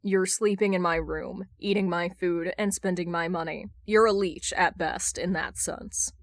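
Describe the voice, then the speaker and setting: A stoic, gloomy vigilante in a fan fiction audiobook, read by a woman. He speaks tersely and deadpan, with a condescending edge. The recording is dry and close. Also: lowish voice, unhurried, no room sound. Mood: condescending, stubborn.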